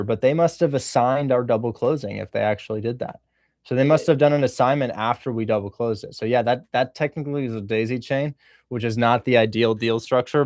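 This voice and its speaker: A man's voice: mid-range voice, darkish tone, no echo. Dry-sounding man hosting a live call. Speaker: host, wholesaling coach. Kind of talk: livestream interview.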